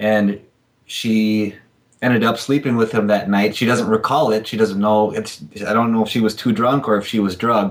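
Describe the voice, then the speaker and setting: A man's fairly low-pitched, a normal speaking voice, at a moderate pace with fairly even intonation. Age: 20s. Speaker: caller. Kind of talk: call-in conversation.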